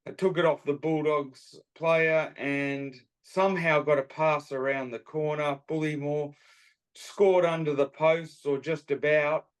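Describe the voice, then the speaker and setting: A man's voice: fairly high pitch, fairly even intonation, measured pace, clear, resonant tone, low-quality recording. An Australian man co-hosting a sports podcast, running through scores with enthusiastic, colourful phrasing. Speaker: podcast co-host. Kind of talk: casual sports chat.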